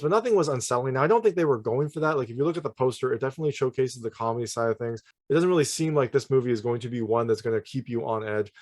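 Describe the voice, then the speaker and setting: Fast-talking, higher-pitched man reviewing films. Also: a little mellow. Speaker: film reviewer and channel host. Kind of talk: casual video movie review.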